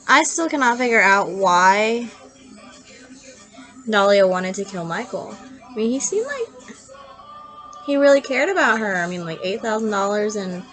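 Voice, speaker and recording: A woman's voice: medium pitch, pushed and bright, low-quality recording. A woman with a congested, nasal, sick-sounding voice tells a true crime case to camera in a chatty, blunt, opinionated way, sounding like it hurts to talk. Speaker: true crime video host. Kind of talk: casual storytelling to camera.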